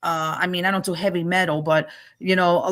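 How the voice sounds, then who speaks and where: At medium pitch and a moderate pace, a woman speaks with a New Jersey accent. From New Jersey, US. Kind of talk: casual interview chat. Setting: live online show.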